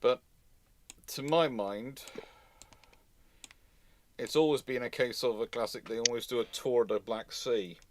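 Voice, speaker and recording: A man's voice: mid-range voice, steady tone, unhurried, long pauses, a little hiss or hum. A man hosting an unscripted history discussion, thinking aloud and often rephrasing as he answers questions. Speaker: host answering audience questions.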